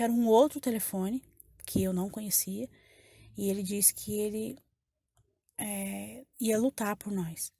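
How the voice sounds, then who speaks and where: A woman's voice: medium pitch, dark tone, dry recording, studio quality. A woman with a Brazilian accent giving an emotional personal testimony to a church congregation, repeating phrases as she tells her story. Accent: Brazilian Portuguese.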